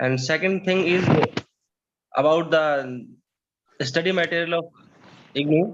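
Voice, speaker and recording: A man's high-pitched voice with an Indian accent, fairly slow and fairly even in intonation, very even in loudness, with long, frequent pauses. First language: Hindi. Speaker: university alumnus. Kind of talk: public question at an online meeting. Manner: halting.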